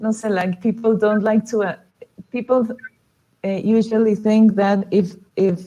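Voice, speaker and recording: Somewhat breathy and dark, mellow in tone, a woman talks at a fairly high pitch in a monotone, flat delivery at a fairly slow pace, with long, frequent pauses. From Mexico. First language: Spanish. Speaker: film director. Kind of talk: interview Q&A. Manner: halting, searching for English words.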